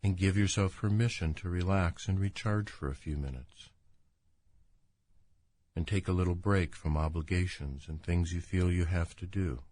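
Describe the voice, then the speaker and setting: A man leading a guided imagery relaxation as a doctor, speaking in a calm, soothing, unhurried manner. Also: low-pitched. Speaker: doctor guiding a relaxation exercise.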